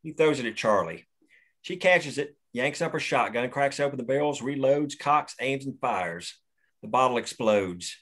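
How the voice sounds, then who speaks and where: A man reading the action lines of a screenplay aloud at a table read, steady and plain. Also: medium pitch, moderate pace. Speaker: narrator reading stage directions.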